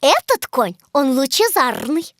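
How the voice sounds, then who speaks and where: A woman's voice: high voice, sing-song, a little slow, a bit bright, exaggerated voice. A woman playing a knowledgeable, patient guide who explains things instructively in an educational cartoon. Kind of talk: scripted educational cartoon dialogue.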